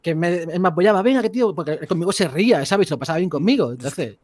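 A man's voice: fairly high pitch, animated, fast talker, a crowd in the background. A young man chatting casually as a podcast guest, hesitant and repeating himself, often tagging "sabes". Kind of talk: casual chat.

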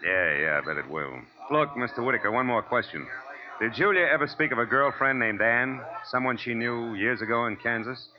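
An actor playing a wry, hard-boiled American private detective, terse and slangy, in 1940s radio style. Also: male voice, medium pitch, expressive, fairly quick, crowd noise, close to an everyday voice. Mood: impatient, sardonic. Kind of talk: 1940s radio acting and first-person narration. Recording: muffled old radio recording with music.

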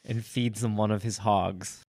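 A man's voice: fairly low pitch, steady tone, measured pace, darkish tone, dry recording, studio quality. A man in casual conversation who makes wry, joking asides and asks questions. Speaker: podcast co-host. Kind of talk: casual chat.

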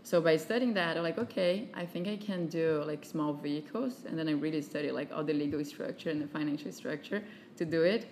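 A woman's voice: deep voice, fairly quick, darkish tone, a little hiss or hum. A woman in her thirties from southern Brazil with a Brazilian Portuguese accent, a guest talking casually with lots of fillers and laughs. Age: 30s. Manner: chatty, many fillers, laughs often. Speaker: guest, venture capitalist. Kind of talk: casual interview chat.

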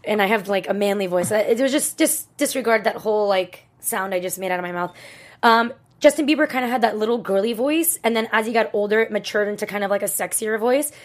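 A woman's voice: mid-range voice, fast talker. A young adult woman co-hosting a casual chat about a TV show, rambling and saying "like" a lot. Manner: rambling, heavy use of "like". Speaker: co-host.

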